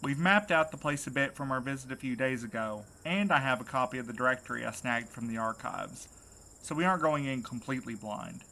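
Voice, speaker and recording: Audio drama lead, male actor: earnest, driven man with worry underneath, crisp bright edge, mid pitch. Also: a little fast, low-quality recording. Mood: earnest, uncertain. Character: determined, anxious young man set on rescuing his friend. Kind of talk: naturalistic audio drama acting.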